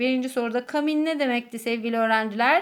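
Ordinary pitch variation at a moderate pace on a very clean recording with a silent background. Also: woman. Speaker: teacher making exam prep videos. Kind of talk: tutorial.

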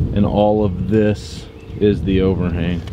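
Against noticeable background noise, a man speaks at a fairly low pitch with ordinary pitch variation, the sound dry with no echo. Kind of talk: casual vlog chat. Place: open country. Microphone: phone near.

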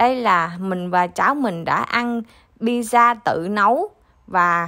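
With a southern Vietnamese accent, a woman speaks at a very slow pace. Her tone is bright and sharp, with ordinary pitch variation against a quiet background. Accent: southern Vietnamese (Saigon). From Saigon, southern Vietnam (District 8). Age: 30s. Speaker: YouTuber, home cook; home cook vlogger. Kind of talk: cooking tutorial vlog. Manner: halting, many fillers, mixes broken English. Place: home room.

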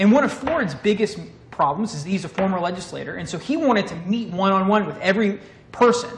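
Audible room echo surrounds a man speaking with a high pitch and lively intonation. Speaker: co-host. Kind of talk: political discussion. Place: kitchen. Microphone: lapel.

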